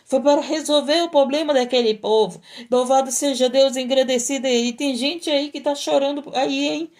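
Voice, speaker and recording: A woman's voice: high voice, normal speed, darkish tone. Fervent woman preaching. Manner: fervent, repetitive exhortations with frequent "praise God". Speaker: missionary preacher. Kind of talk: sermon.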